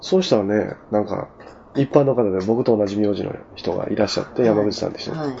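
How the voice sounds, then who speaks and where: Very fast talk from a man, fairly low in pitch, its pitch variation ordinary. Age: 50s. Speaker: occult researcher and podcast host. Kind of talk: casual chat.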